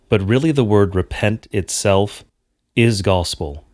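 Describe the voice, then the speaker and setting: A man with an ordinary speaking voice, fairly low in pitch and showing ordinary pitch variation, is captured in a very clean recording with a silent background. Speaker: podcast host. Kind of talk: religious discussion podcast.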